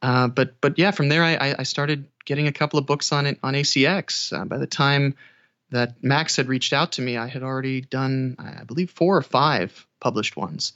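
A man's voice: medium pitch, normal speed, a bit bright, no room sound, lo-fi sound. An American man talking casually as an interview guest who works as an audiobook narrator.

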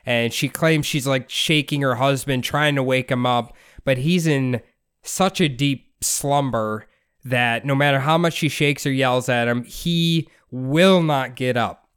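A man's voice: mid-range voice, measured pace, fairly bright tone, smooth. A man hosting a podcast, telling a story in a laid-back, casual way, swearing and laughing often. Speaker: podcast host.

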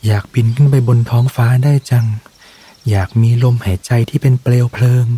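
A man's voice: mid-range voice, a little fast, mellow, slightly rough, close to an everyday voice. A man voicing a timid young dragon who cannot fly, in a hopeless whisper as whispered role-play.

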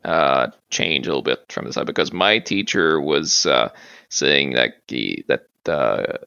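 A man's voice: extremely low pitch, expressive, a little slow, vocal fry, sharp tone, clear, resonant tone, no room sound, lo-fi sound. A man whose first language is French, talking as a podcast guest, hesitant, with many fillers and restarts. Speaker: guest, martial arts practitioner. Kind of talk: casual interview talk.

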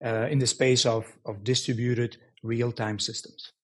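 A middle-aged man from Belgium, a guest in a podcast interview, explaining his work in a measured way with frequent restarts. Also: mid-range voice, level tone. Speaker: guest, engineering executive.

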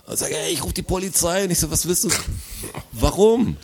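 A man's voice: high voice, brisk, a loud crowd. A man telling a story in casual chat, acting out arguments. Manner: animated storyteller, acts out quarrels.

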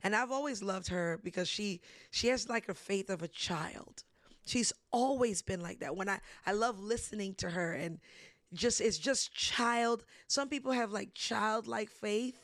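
A woman hosting a casual faith discussion, telling stories with lively animation and frequent laughs. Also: medium pitch, a little slow, dry recording, studio quality. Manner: animated storytelling, laughs often. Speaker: ministry host.

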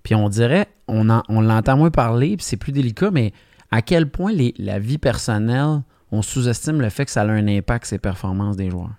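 A man's voice: medium pitch, lively intonation, normal speed, darkish tone, dry recording, clean studio sound. A man with a Québécois French accent interviewing a guest, curious and encouraging, sometimes restarting his questions.

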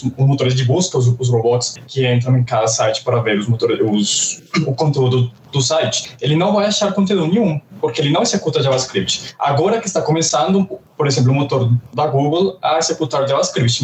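A man's voice: medium pitch, recorded from a distance, a little hiss or hum. A man from Colombia with a Colombian accent, a Spanish native speaker, explaining web tools on a casual podcast with many fillers. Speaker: developer guest. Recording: echoey room, off-mic, faint ambience.

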